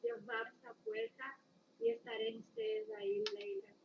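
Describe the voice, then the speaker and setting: A woman from Paraguay with a strong Paraguayan accent, a missionary speaking on a church live stream, often pausing and searching for words. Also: very high-pitched, sing-song, gravelly, distant mic, dull audio, a crowd in the background.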